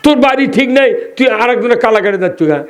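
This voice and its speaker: A man's voice: very high voice, animated, fast. A man from Bogura preaching a humorous sermon in the local Bogura dialect, telling stories with teasing asides to the crowd. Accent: Bogura Bengali dialect. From Bogura, northern Bangladesh. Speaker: Islamic preacher.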